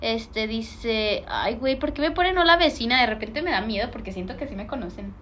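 Young Mexican woman, high bright voice, playful slangy livestream chatter. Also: animated, fairly quick, highs cut off, slight background noise. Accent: Mexican Spanish. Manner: slangy, playful, laughs often. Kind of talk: casual livestream chat reading comments.

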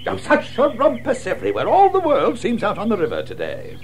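A man's voice: high-pitched, huge pitch swings, brisk, slight background noise, exaggerated voice. A man playing an amiable, gossipy river otter in a children's audio drama, exclaiming and chuckling. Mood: hearty.

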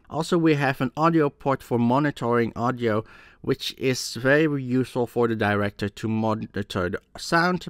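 A male reviewer delivers scripted voice-over narration. His pitch sits in the middle range for a man. The recording is dry and close, with very little room sound. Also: dry recording. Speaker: product reviewer.

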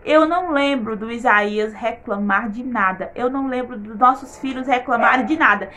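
High bright woman. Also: normal speed, slight background noise. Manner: earnest, repeats words for emphasis. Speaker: vlogger giving a testimony. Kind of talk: emotional faith testimony.

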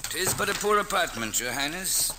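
An actor playing a kindly, bold gentleman swordsman with theatrical, archaic diction in an old-time costume radio drama. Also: fairly high pitch, animated, moderate pace, close to an everyday voice. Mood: courteous. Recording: noisy, clicky old drama recording.

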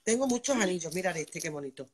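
A woman's voice: on the low side, lively intonation, quick pace, slight background noise. A woman from Spain selling jewelry on a live stream, chatting to viewers, greeting them by name and checking in with a constant "vale". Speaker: online jewelry seller. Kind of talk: live-stream sales pitch.

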